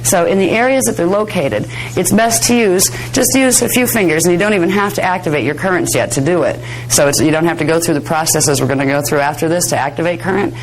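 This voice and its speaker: A woman teaching a live workshop, slightly hoarse, explaining at length in a chatty way, with fillers and soft laughs. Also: fairly low pitch, fast talker, few pauses, a little hiss or hum, rough recording. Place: workshop room. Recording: 1999 workshop video, faint music.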